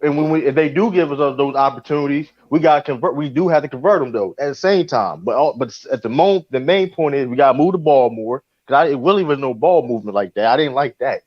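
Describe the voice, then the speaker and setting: A man's voice: medium pitch, fast talker, hardly any pauses, no echo, dull audio. Heated, profane man in a sports debate. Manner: animated, profane, talks over others. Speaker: call-in show regular.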